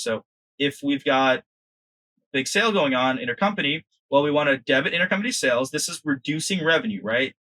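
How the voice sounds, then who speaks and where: A man's voice: medium pitch, bright, forceful tone, rough recording. A man giving an informal lecture as an exam prep instructor, conversational and often checking in with the listener.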